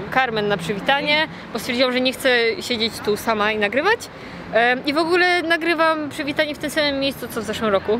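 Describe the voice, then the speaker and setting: A woman's high voice at a fairly quick pace, dry with no echo, noticeable background noise behind it. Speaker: vlogger. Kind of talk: casual vlog chat. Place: garden. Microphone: phone near.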